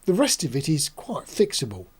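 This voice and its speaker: Mellow older man, reflective talk. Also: on the high side, huge pitch swings, moderate pace, slightly rough. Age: 60s. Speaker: host. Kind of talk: casual explanatory talk to camera. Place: small indoor studio.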